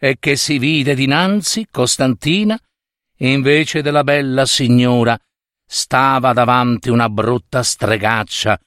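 A man telling a dark fairy tale with slow, dramatic, expressive narration. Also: a little high, no room sound, clean studio sound. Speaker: storyteller.

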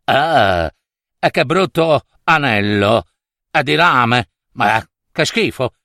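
A man's voice: mid-range voice, expressive, takes it slowly, sharp tone, no echo, clean studio sound, heavily acted. A man voicing a greedy child-eating ogress witch who sniffs, grunts and snarls in a fairy-tale telling. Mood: greedy, snarling.

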